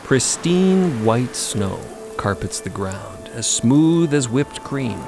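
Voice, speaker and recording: A man giving measured, descriptive scripted narration for a fiction podcast. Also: medium pitch, sing-song, creaky, music in the background.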